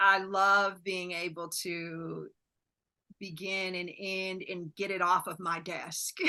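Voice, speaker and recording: With a very slow pace and monotone, flat intonation, a woman speaks in an American accent at medium pitch with a bright, sharp tone against a quiet background. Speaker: horror author, former actress and model. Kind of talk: interview answer. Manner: laid-back.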